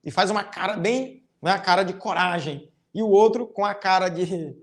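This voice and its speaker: This is a teacher with a Brazilian accent, talking a class of children through a recorded lesson. The explanations go one careful step at a time, with a tag question closing many phrases. Sample sentences get read aloud with strongly exaggerated rises and falls in pitch. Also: normal speed. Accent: Brazilian Portuguese. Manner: reads quoted lines with exaggerated intonation. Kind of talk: recorded online class for fifth graders.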